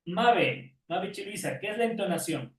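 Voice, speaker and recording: A man's voice: high-pitched, animated, normal speed, a bit bright. A male teacher giving an online class lecture, often checking in with questions and calling on students by name. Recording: roomy echo, distant from mic.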